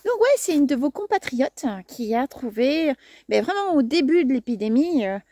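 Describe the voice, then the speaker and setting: A woman's voice: sits high, very animated, normal speed, dark tone, no room sound. A woman hosting a casual gardening video outdoors, chatty and playful, tripping over words and laughing at herself. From France.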